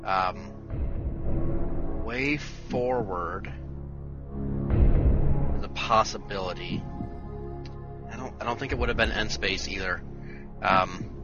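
A man's voice: fairly low pitch, slow, long pauses, muffled recording, loud music behind the voice. A man on a casual podcast who talks through a quiz question aloud, hesitating and stammering with repeated words. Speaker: podcast panelist, quiz contestant.

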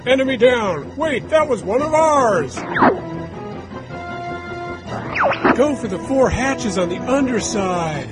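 An actor playing a brash young male starfighter pilot, shouting urgent battle callouts over game music. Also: very high-pitched, expressive, unhurried, rough recording. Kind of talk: video game voice acting.

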